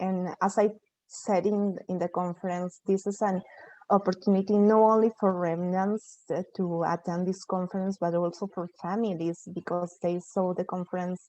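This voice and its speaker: A woman with a Spanish accent speaks at medium pitch and a moderate pace in a monotone, flat intonation, her dark, mellow tone captured in a dry, close sound with no echo. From Peru, Chimbote. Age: 20s. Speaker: church youth leader. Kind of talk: interview. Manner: halting.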